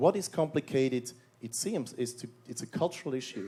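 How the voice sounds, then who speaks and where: A man speaks at a fairly quick pace with a dark, mellow tone. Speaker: audience member asking a question; UN development worker. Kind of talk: Q&A question at a conference. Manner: halting, with fillers and repetitions.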